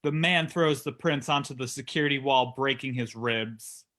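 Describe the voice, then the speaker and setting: A man's voice: medium pitch, normal speed, fairly bright tone. A man reading scripted narration and stage directions for a staged wrestling script.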